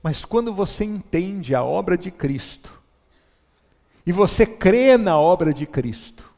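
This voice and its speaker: A male pastor preaching a sermon, urging his congregation and swinging from loud to soft. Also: high voice, expressive, slow, vocal fry, big-room sound.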